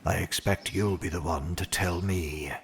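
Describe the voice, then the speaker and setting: An actor playing a composed, grave official in an audio horror drama, speaking in a measured, formal way. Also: male voice, low-pitched, steady tone, noisy background. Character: composed, grave male official in a sinister facility.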